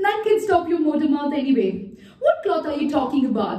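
A woman does a high-pitched, cartoonish character voice with a slight echo. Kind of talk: public awareness skit. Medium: puppet.

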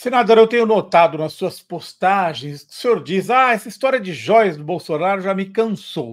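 With lively intonation, a man talks at a moderate pace in a high voice. The background is quiet. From Brazil. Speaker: journalist. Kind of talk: interview. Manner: halting. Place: home room. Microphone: video call.

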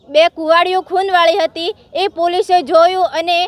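Over noticeable background noise, a woman speaks in an extremely high voice with monotone, flat intonation, the sound dry and close with no echo. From Gujarat, India (Banaskantha). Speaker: victim's daughter. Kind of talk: news interview statement. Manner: impassioned.

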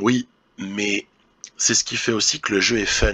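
This man's voice is pitched fairly low. He talks at a fairly slow pace. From French-speaking. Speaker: gaming YouTuber. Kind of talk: gameplay tutorial. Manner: halting, many fillers.

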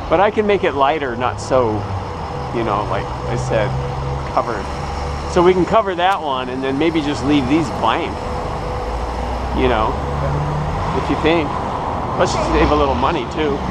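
Loud background noise fills the clip. The speech has long, frequent pauses. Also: moderate pace. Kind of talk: casual work conversation. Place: street. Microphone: phone near.

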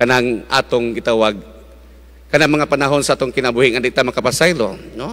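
Very fast speech from a man with a medium pitch, in a very clean recording with a silent background. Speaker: priest. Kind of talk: Christmas Eve Mass homily; fervent preacher, exhorting the congregation. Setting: church with congregation. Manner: animated, fervent, leads call-and-response; warm, jokey, switches between Cebuano and English.

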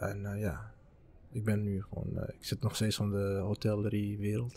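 This man's voice is fairly low in pitch, somewhat breathy and dark and mellow in tone. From Tunisia. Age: 30s. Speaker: hostel facilities manager. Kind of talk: interview. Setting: in a hostel.

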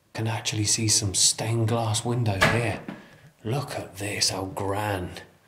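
A man talks very slowly, with noticeable background noise behind him. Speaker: urban explorer vlogger. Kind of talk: casual vlog chat. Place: hall. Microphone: phone near.

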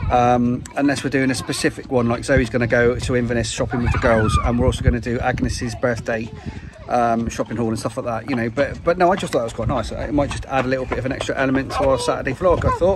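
A man talks at a very fast pace while noticeable background noise plays. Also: ordinary pitch variation, dry sound with no echo. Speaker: family vlogger. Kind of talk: casual vlog chat. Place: street. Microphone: phone near.

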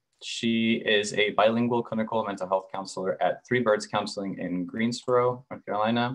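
Against a quiet background, a man talks at a fairly quick pace with hardly any pauses and fairly even intonation. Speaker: webinar moderator. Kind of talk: hosting a webinar. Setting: video call. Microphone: video call.

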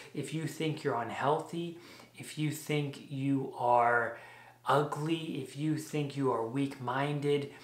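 There's a man talking at a very slow pace with fairly even intonation. Room echo is audible. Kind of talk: talking-head advice monologue. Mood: earnest, concerned. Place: home room.

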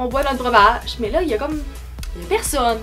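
Speaking very fast, a woman talks with a Quebec accent. Faint music plays in the background. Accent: regional Quebec French. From Saguenay-Lac-Saint-Jean, Quebec, Canada. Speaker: YouTuber, business student. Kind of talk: casual storytime talk to camera. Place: home room.

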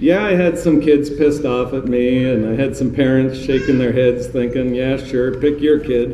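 Over light background noise and audible room echo, a man speaks at a moderate pace with fairly even intonation. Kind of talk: wedding speech. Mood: warm, humorous, proud. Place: hall. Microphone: podium.

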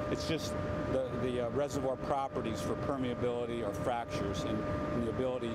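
Over loud background noise, a man speaks at a fairly quick pace with ordinary pitch variation. The sound itself is dry, with no echo. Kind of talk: on-site explainer update. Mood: upbeat, enthusiastic. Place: open country.

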